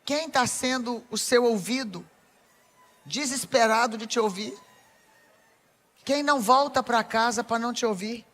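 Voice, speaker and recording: A woman with a Brazilian Portuguese accent preaching a lively sermon to a women's audience, playful and teasing, speaking straight to the crowd. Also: fairly high pitch, a little slow, long pauses.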